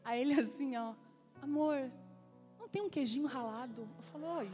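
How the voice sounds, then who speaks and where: A woman pastor, preaching in a church with animated storytelling and acted-out dialogue. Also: high-pitched, normal speed, soft background music. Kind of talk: sermon.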